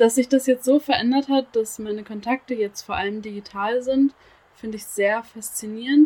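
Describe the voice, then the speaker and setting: A woman with a dark, mellow tone speaks at a moderate pace with ordinary pitch variation and big swings in loudness, the sound dry and close with no echo. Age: 20s. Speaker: podcast guest sharing life story. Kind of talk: interview. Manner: hesitant, many fillers.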